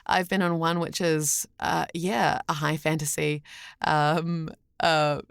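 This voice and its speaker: A woman's voice: low voice, little pitch movement, takes it slowly, gravelly, clear, resonant tone, no echo, studio quality. A woman voice actor talking casually as an interview guest, chatty and explanatory, often correcting herself mid-sentence.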